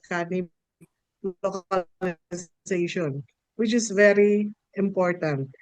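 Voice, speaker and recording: A woman's voice: lowish voice, dry recording. Woman on a video call, her audio breaking up. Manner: halting, formal, hesitant phrasing. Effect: audio cutting in and out from a bad connection. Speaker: mayor. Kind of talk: sharing experience on a video call.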